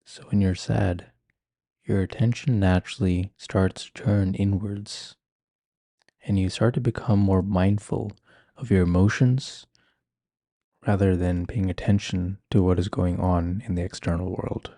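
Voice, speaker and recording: A man leading a guided meditation in a calm, gentle, measured manner. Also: sits low, no echo, studio quality. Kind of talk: guided meditation, ASMR-like instruction.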